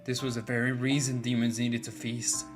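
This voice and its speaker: A man slowly reading a dark horror fan story aloud, measured and steady. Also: medium pitch. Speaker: streamer and artist. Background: guitar music.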